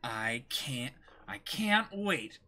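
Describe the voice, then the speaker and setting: A man's voice: medium pitch, big pitch swings, drawn-out words, bright, forceful tone, a little hiss or hum. A young man joking casually during a comic dramatic reading in a small room. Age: young adult. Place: small indoor room, against a backdrop.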